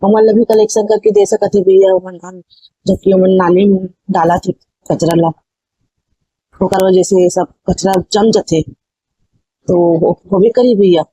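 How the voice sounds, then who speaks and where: A woman councillor with a Chhattisgarhi accent answering interview questions haltingly, searching for words. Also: mid-range voice, fairly even intonation, warm tone, breathy edge, no room sound, low-quality recording. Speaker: ward councillor being interviewed.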